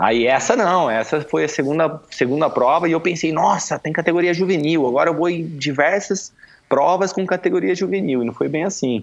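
Using an ordinary speaking voice, a man with a fairly high pitch and ordinary pitch variation talks at a moderate pace with hardly any pauses. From Campinas, São Paulo state, Brazil. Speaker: former pro cyclist and cycling youtuber. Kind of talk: casual interview chat.

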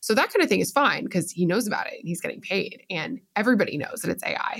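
An enthusiastic woman's voice with vocal fry. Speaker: podcast co-host. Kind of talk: casual chat.

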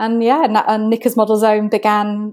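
A woman speaks with a British accent. The recording is very clean and the background is silent. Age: 50s. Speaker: stylist and author. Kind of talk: interview.

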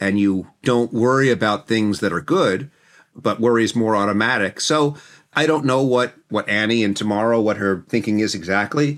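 A man with a medium pitch and an unremarkable speaking voice talks at a moderate pace with ordinary pitch variation and very even loudness, in a very clean recording with a silent background. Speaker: audio drama co-creator. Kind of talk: casual chat.

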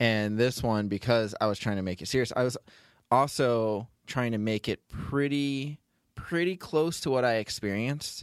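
At a moderate pace, a man with a normal speaking voice talks at medium pitch with ordinary pitch variation, in a dry, close sound with no echo. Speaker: podcast writer and producer. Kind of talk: casual banter, podcast recap. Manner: joking, laughs often.

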